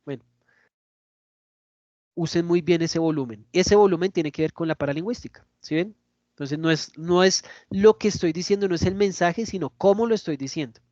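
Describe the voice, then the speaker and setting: A man giving an online lecture in a lively, demonstrative way, often checking in with his listeners. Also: fairly high pitch, moderate pace, no room sound, dull audio.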